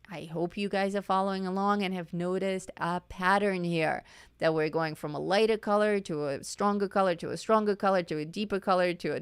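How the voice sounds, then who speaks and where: A woman teaching a live-stream coloring lesson, chatty and casual, repeating herself as she corrects her words, her voice starting to go hoarse. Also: lowish voice, dry recording, clean studio sound. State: voice going hoarse.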